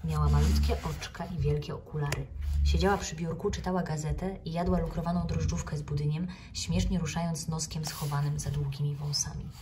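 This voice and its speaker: Brief: actress narrating a kids' book, measured and clear, lower voice, slightly distant mic. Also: female voice, fairly even intonation, background noise. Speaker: actress reading a children's book. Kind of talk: storybook reading aloud.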